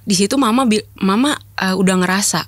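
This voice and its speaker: A woman's voice: medium pitch, no echo, studio quality. Frank young woman telling her story. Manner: unhurried, frank, addresses the interviewer directly. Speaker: guest sharing a personal testimony. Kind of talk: candid conversational storytelling.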